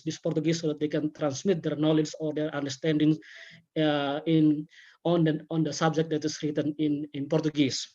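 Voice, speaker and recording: A man from Timor-Leste whose first language is Tetun, a webinar panelist answering questions haltingly with many restarts. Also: fairly high pitch, warm tone, muffled recording.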